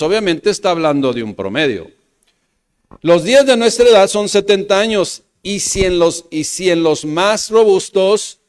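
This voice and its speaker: A man preaching a sermon in church, speaking Spanish with a Mexican accent. His voice sits somewhat high for a man, and he swings from loud emphatic bursts to quiet low asides. He repeats his points and keeps calling out to the brothers and the church. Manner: repeats phrases for emphasis, addresses congregation as hermanos and iglesia. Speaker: pastor. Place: church before a congregation.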